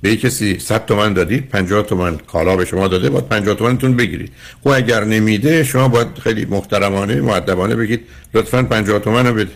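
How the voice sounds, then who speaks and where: A man's voice: fairly low pitch, gravelly. An older man hosting a radio call-in show as a psychologist, lecturing a caller emphatically and repeatedly calling him "dear".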